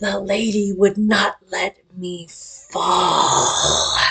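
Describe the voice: A husky, put-on character voice at middle pitch and a very slow pace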